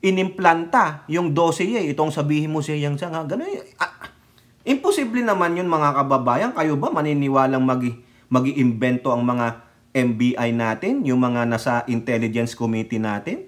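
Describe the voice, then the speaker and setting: A man from the Philippines giving casual political commentary on his vlog, talking straight to his viewers in a lively, mocking way. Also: a little high, moderate pace.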